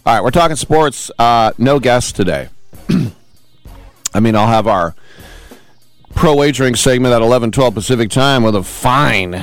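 A man hosting a live sports talk radio show with a hoarse, raspy voice, joking around and slipping into silly voices. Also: medium pitch, animated, moderate pace, long pauses, no room sound, soft background music. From US Bay Area. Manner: playful, breaks into sung snippets and silly voices.

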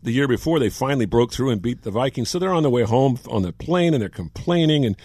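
A man in his sixties, a longtime sports broadcaster, telling animated anecdotes in casual chat. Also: mid-range voice, fast talker, dry recording, clean studio sound. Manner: animated anecdotes, acts out quotes.

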